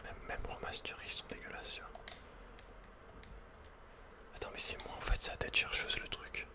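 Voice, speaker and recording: A man giving casual, slangy ASMR commentary on a video game, muttering with the odd mild swear word. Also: normal speed. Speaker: ASMR gaming streamer.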